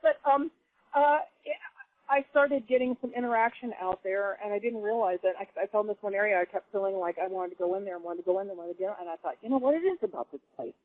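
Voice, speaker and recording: A woman guest on a radio talk show telling stories in an animated, laughing way. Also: mid-range voice, fast talker, dry recording. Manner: animated storyteller, laughs often. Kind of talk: casual radio chat. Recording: dry phone-line call audio.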